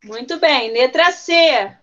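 This woman teaches first grade and is leading a video-call lesson for little kids, calling on pupils by name and gently coaxing them. She speaks slowly in a high, expressive, slightly bright voice, and the call audio is dull and lo-fi.

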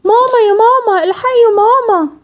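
A woman doing a shrill Egyptian little girl. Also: quick pace. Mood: excited. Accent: Egyptian Arabic. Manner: eager, pleading, breathless chatter. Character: excited little girl, insistent daughter.

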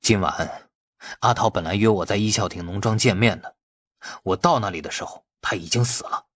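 Man playing a low, guarded young male fugitive. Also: moderate pace, slightly rough, no echo. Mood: somber recounting. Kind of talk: audiobook character dialogue.

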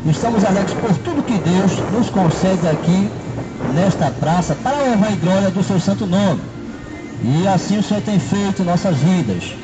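A middle-aged man preaches outdoors in a city square, his voice sitting high for a man. He holds a handheld microphone and leans on repeated "né" and "não é" tags. Music plays clearly behind him in the open air. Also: lively intonation, moderate pace, rough recording. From Brazil. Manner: repetitive, fills with "né" and "não é". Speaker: street preacher.

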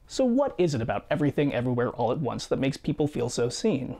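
A man in his thirties reading a scripted personal video essay in a measured, reflective way, seated in a small home studio. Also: medium pitch, very animated. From United States. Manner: measured, reflective storytelling with quiet asides. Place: small home studio room with guitars and shelves.

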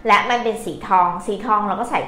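A woman's voice: medium pitch, fast, a bit bright. Woman teaching, echoey room. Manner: patient, explains stroke by stroke, quizzes viewers. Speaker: Chinese language teacher. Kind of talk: live-streamed vocabulary lesson. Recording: echoey room, faint noise.

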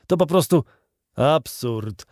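Man reading scornful old war invalid, emphatic, mellow, dry. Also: on the high side, animated, slow, dry recording, pitched above the performer's own voice. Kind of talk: audiobook dialogue reading.

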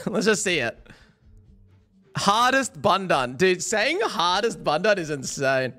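Excitable young streamer, lively pitch. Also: male voice, slow pace, faint music behind. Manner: excitable, swings from mumbling to yelling. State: voice worn out. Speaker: gaming streamer. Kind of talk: live-streamed gameplay chat.

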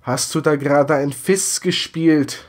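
Ein leicht erkälteter Mann plaudert als Co-Host eines Podcasts, erzählt ausführlich und lacht. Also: male voice, a little high, steady tone, unhurried. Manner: chatty, laughs, imitates voices. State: slightly congested from a cold. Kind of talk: casual podcast chat.

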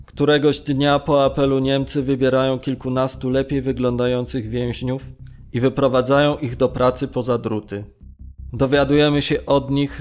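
A man's medium-pitched voice an actor's recounts life as a camp prisoner in an audio drama. The delivery is earnest, sombre and measured, over soft music. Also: natural voice. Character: male Polish concentration camp prisoner, sombre, quietly hopeful witness.

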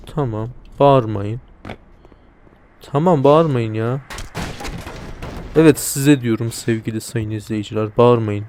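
A man's voice: medium pitch, darkish tone, slight background noise. A young man casually commenting on a video game, joking and talking back to the characters and the viewers. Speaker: let's play commentator.

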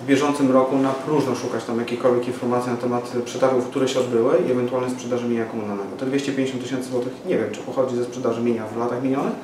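A man's voice: mid-range voice, fairly even intonation, rapid-fire, hardly any pauses. A man in his forties making a press conference statement, hesitant with many fillers and restarts. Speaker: local party activist at press conference. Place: small office room with window. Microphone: far camera mic. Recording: echoey room from far off, noisy.

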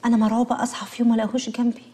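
Brief: fast-talking Egyptian actress as a worried young wife, emotional. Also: female voice, fairly high pitch, level tone, dark tone, slight background noise, close to an everyday voice. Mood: pleading. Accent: Egyptian Arabic. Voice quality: pleading, emotional. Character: devoted anxious young wife. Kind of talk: TV drama acting.

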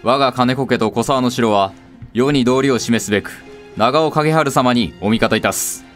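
A man's voice: medium pitch, normal speed, faint music behind, lightly acted. A man playing a proud, fatherly samurai castle lord in a period voice drama, speaking in an archaic, lordly way. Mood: resolute. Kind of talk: Japanese period voice drama acting.

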